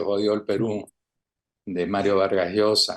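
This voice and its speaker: A man's fairly low voice at a very slow pace. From Peru. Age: 70s. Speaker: physician, academy member. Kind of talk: audience comment at academic talk.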